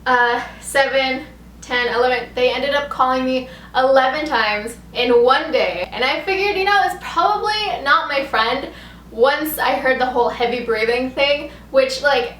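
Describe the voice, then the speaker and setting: Speaking at a measured pace, this young woman has a high, slightly bright voice as she rambles through a story for her vlog. She's chatty and casual, leaning heavily on "like," and the recording carries echo and background noise.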